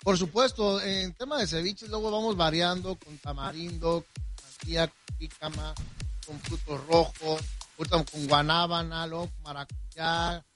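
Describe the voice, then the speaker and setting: Brief: Mexican male chef, high voice, eager live radio plug of his restaurant. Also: steady tone, normal speed, fairly bright tone, faint music behind. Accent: Mexican Spanish. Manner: enthusiastic, listing dishes one after another. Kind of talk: on-air promotional chat. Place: hotel restaurant, live remote broadcast.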